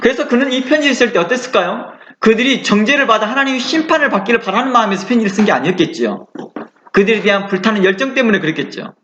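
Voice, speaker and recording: A man's voice: high-pitched, expressive, quick pace, fairly bright tone. A man preaching a sermon as a pastor, in an earnest, conversational way and with many rhetorical questions. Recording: echoey room, dull lo-fi sound with faint noise.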